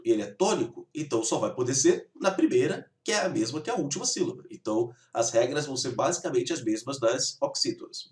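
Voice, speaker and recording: His voice a little high and the recording reverberant, a man works through a grammar lesson one rule at a time. He keeps pausing to ask his students "tá bom?".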